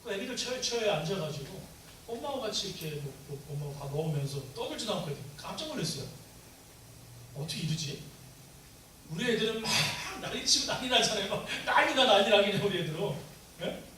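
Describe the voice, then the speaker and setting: A man's voice: high voice, sing-song, fast, bright, forceful tone, slight background noise. A man preaching a sermon to a congregation, asking them questions and acting out prayers in a raised voice. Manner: conversational preaching with call-and-response questions; acts out quoted prayers in raised voice. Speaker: pastor. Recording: echoey room from a distance with faint ambience.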